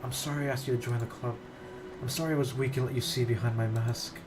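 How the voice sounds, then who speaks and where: A man's voice: mid-range voice, steady tone, quick pace, over music, natural voice. A man doing Sayori, a despairing schoolgirl. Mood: pleading. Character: despairing teenage schoolgirl on a rooftop ledge.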